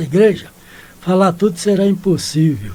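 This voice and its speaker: This man has a high voice with a dark, mellow tone and ordinary pitch variation. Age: 70s. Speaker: church member. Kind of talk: radio interview. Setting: radio studio.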